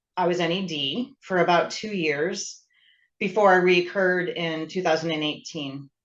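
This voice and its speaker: A woman speaks in an ordinary speaking voice. Her pitch is medium and her pace fairly slow. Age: 60s. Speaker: cancer patient panelist. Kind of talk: personal testimony.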